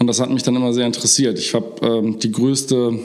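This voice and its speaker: Over noticeable background noise and audible room echo, a man speaks. His pitch is medium and his pace fairly quick. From northern Germany, Hamburg area. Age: 30s. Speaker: company founder and CEO. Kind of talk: interview.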